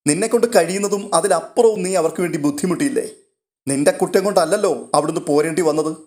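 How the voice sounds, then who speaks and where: A man reads as a kindly old grandfather in a storybook, slow, patient and soothing. His voice sits a little high and stays warm but firm. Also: lightly acted. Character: old grandfather, calm and gently protective.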